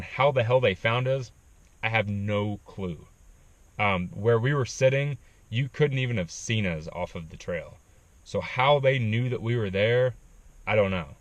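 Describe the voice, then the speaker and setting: A man casually telling a backpacking story, animated, with frequent ums. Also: medium pitch, no room sound. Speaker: backpacking vlogger.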